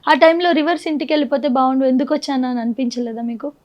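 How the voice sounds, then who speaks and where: Woman interviewer, high and quick, brisk questions, dull lo-fi sound. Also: steady tone. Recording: dull lo-fi recording.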